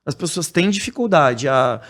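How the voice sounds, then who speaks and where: A man from Brazil, a podcast guest talking casually in a blunt, direct way and growing animated when he explains. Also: a little high, moderate pace. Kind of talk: casual conversation.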